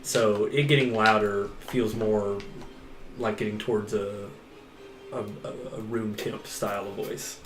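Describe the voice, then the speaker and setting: A man narrating as game master in a casual tabletop session, describing scenes in an unhurried way and chuckling often. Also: on the low side, fairly even intonation, music in the background. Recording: echoey room with faint noise.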